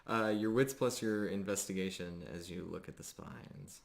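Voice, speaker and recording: Low-voiced man narrating as game master. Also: normal speed, creaky. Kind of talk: improvised tabletop game narration.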